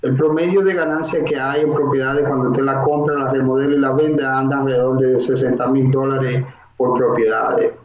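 A man from the Dominican Republic, a mortgage broker and investor, explaining slowly in an interview with many filler sounds. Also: medium pitch, a little mellow. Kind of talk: interview answers. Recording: roomy, dull lo-fi sound.

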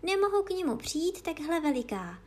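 A woman voicing a polite young girl in a storybook reading, with a raised, drawn-out, indignant girlish voice. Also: extremely high pitch, big pitch swings, darkish tone, pitched above the performer's own voice. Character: young girl, polite but easily offended.

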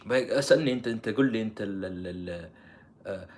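A man's voice: on the low side, fast, a little mellow. A man giving heated political commentary, mocking and firing rhetorical questions.

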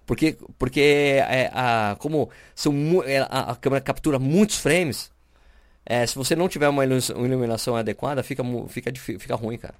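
A Brazilian man co-hosts a podcast, chatting casually in a mid-range voice at a fairly quick pace. The audio is studio quality with no room sound. He explains camera settings with plenty of fillers and restarts.

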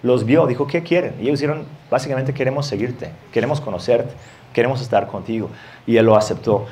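Un hombre que predica un sermón en tono conversacional, leyendo pasajes bíblicos y riendo un poco de vez en cuando. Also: male voice, medium pitch, fairly even intonation, quick pace, mellow, slight background noise. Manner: conversational, reads scripture aloud with light laughs. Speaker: pastor. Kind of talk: sermon.

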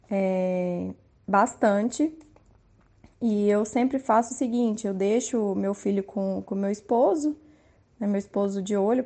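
A woman in her thirties with a Brazilian Portuguese accent, calmly sharing parenting tips from her own home life in an unhurried, soft-spoken way. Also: medium pitch. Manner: soft-spoken, unhurried, frequent tag questions. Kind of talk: calm personal testimony.

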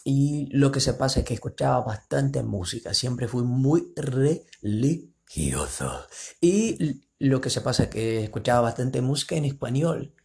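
A man's voice: mid-range voice, lively intonation, measured pace, gravelly, a little mellow. Young man, brazilian accent, native portuguese speaker, rambling, playful podcast host. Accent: Brazilian Portuguese speaker, mixing in an Argentine lilt. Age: 20s. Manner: rambling, playful, self-mocking, switches into put-on voices. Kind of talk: casual solo podcast talk.

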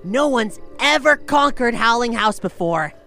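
A swaggering young bully, played by a woman, sneers and taunts in a fairly high voice. The tone is sarcastic and sly, a kid ringleader in an audio drama, with soft music underneath. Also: lively intonation, a little slow. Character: cocky, taunting bully boy, ringleader of kids. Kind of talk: improvised tabletop roleplay audio drama.

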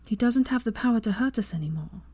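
A determined, teasing young witch in a storybook reading, as a woman narrator puts her on. Her lines sit clearly higher than the narration, recorded close and dry. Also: animated, quick pace, dry recording. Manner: bright, raised delivery against the narration.

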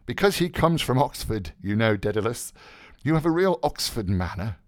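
A man's voice: medium pitch, very animated, moderate pace, no echo, clean studio sound, pitched above the performer's own voice, lightly acted. A man voicing an exuberant, mocking young joker who declaims with mock solemnity in a dramatised novel reading. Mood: scornful.

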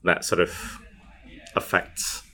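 A man in his thirties from Indonesia, speaking English as an interview guest, thoughtful and halting with many fillers. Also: pushed and bright. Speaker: guest, poet and PhD student. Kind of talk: casual interview answers.

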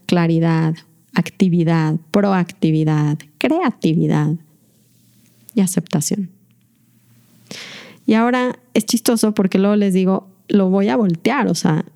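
A woman's voice: medium pitch, dark tone, clean tone. A woman hosting a reflective self-help podcast from her bedroom, earnestly guiding listeners through exercises. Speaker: podcast host.

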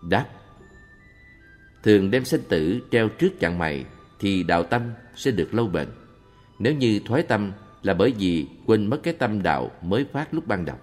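A man reading a monk's answers aloud in a calm, measured Buddhist question-and-answer recording. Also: on the low side. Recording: long reverb with faint background music.

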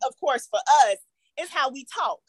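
A woman's voice: high-pitched, expressive, normal speed, dry recording. A woman co-hosting a podcast, explaining a topic with many fillers and restarts. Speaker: podcast co-host. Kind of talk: casual podcast discussion.

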